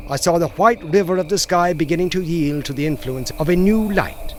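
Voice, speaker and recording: A male horror author reading a classic ghost story aloud in a measured, atmospheric storytelling manner. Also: on the high side, a little hiss or hum. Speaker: audiobook narrator and horror author.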